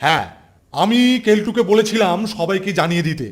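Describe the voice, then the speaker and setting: A man's voice: sits high, animated, brisk. A man voicing a strict, commanding schoolteacher in a children's cartoon, speaking in a stern, emphatic way. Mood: scolding. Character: strict, commanding adult male school teacher. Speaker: cartoon voice actor. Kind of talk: Bengali children's cartoon dialogue.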